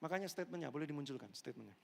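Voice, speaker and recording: A pastor preaching a lively sermon and acting out the voices of the people in his stories. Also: fairly high pitch, racing, creaky, slight background noise. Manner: animated storyteller, switching voices for characters. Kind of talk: lively sermon with acted-out dialogue. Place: large church hall. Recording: long hall reverb.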